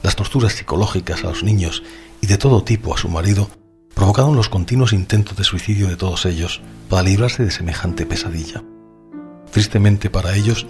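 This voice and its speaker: A man's voice: low voice, darkish tone, lightly acted. A man playing a grave storyteller who recounts a macabre legend in a scripted horror audio drama. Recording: music behind the voice.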